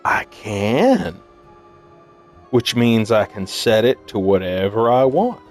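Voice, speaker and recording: Male gamer, sleep-deprived, unhurried and halting, musing to himself over puzzle play, music underneath. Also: lowish voice, very animated, a little mellow. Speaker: gaming video host. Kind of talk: casual puzzle game let's play commentary, thinking aloud. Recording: music behind the voice. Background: game music.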